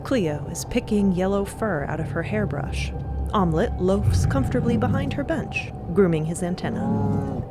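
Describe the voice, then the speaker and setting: Lowish-voiced woman narrating audio fiction. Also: expressive, normal speed, over music.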